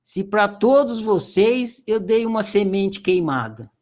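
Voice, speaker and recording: A man's voice: high-pitched, expressive, slow pace, darkish tone. A man voicing a wise old king making solemn proclamations in a spoken folk tale.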